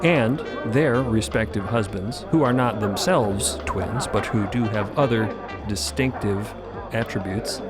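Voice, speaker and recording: A man's voice: fairly low pitch, unhurried. A man narrating a scripted audio drama in a dramatic storytelling style. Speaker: podcast narrator. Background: loud music.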